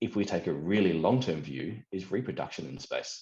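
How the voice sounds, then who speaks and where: The speaker is a man. He has an Australian accent. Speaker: space industry business developer. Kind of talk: interview.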